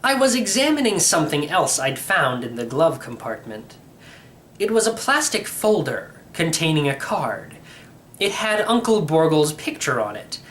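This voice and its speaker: A man reading a first-person storybook narration in an expressive, wry manner. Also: a little high, slight background noise. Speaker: storybook reader.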